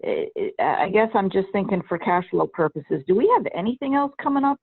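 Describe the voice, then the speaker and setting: A committee chair with a gravelly, creaky voice talks hesitantly, circling back with repeated okays and small restarts. The line is thin and tinny, like a phone call. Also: medium pitch, expressive, a little fast. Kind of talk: committee meeting discussion.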